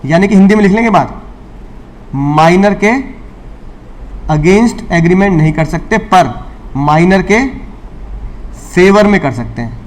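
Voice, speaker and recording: High-voiced man lecturing a class. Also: animated, measured pace, long pauses. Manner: asks the class questions and answers them himself, repeats key lines; mixes English legal terms into Hindi. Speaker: law lecturer.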